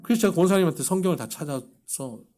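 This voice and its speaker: Preaching fast in a voice on the high side, a male pastor tells stories with animation and performs the quoted voices of their characters.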